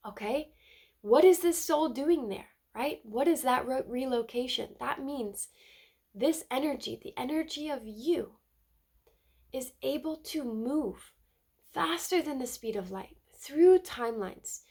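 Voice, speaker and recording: Woman card reader, stuffy from a cold, somewhat high voice with gravelly fry, earnest and emphatic. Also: lively intonation, a little slow, a little mellow. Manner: earnest, emphatic, repeats words and asks "right?". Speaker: spiritual tarot reader. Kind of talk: casual spiritual card reading to camera.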